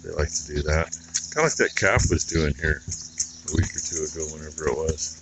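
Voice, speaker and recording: A man's voice: very deep voice, a little fast, background noise. A man who farms, talking casually and plainly in a folksy, rambling way while filming outdoors. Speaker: farmer vlogger. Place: outdoors on a farm near a barn.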